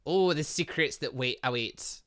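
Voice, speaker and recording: Cast: a keen, scholarly female professor, bright and sharp-toned , voiced by a man reading a game. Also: a little high, measured pace. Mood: enthused. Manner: reading dialogue aloud in a light put-on voice. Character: female professor, brisk, scholarly, enthusiastic about science.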